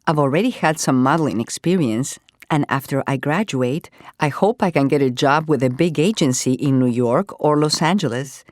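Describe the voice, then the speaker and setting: A woman's voice: low-pitched, moderate pace, hardly any pauses, darkish tone, no echo, studio quality, lightly acted. A woman playing a twenty-year-old aspiring model who talks matter-of-factly about her plans. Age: young adult.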